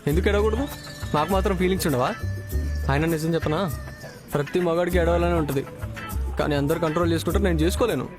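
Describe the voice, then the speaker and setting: A young man with a high voice plays an easily upset office worker in a comedy sketch. He rattles off whiny, self-pitying complaints at a fast pace. Clear music plays behind him. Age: young adult. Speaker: office employee.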